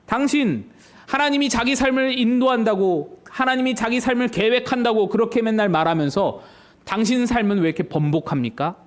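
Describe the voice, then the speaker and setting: Guy doing a skeptical church accuser, high pitched, firing off scornful questions. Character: indignant skeptical church member, confrontational accuser.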